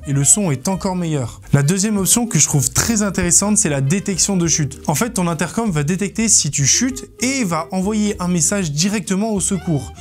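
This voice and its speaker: Male presenter for casual gear review: fairly high-pitched, chatty and informal, joking at his own expense, soft music underneath. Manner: informal, playful, self-mocking. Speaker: presenter of a motorcycle gear video. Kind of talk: casual product review to camera.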